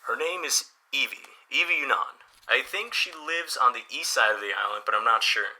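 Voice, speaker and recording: A man's voice: mid-range voice, animated, moderate pace, sharp tone, poor audio. A man playing a helpful, easygoing small-town newspaper boss in an audio drama, chatty and encouraging as he explains things. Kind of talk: audio drama dialogue, conversational.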